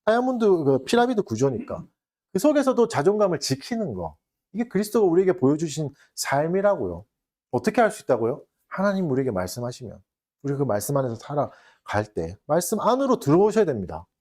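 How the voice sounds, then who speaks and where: Male pastor, slightly high and very lively voice, sermon delivery full of rhetorical questions. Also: fairly quick. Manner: rhetorical questions to the congregation, acting out quoted taunts.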